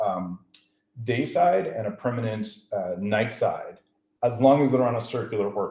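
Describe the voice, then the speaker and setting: Audible room echo surrounds a man of medium pitch whose somewhat breathy voice has lively intonation. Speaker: physics professor. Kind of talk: lecture. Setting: seminar room with audience and online viewers. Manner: fast; casual, many fillers.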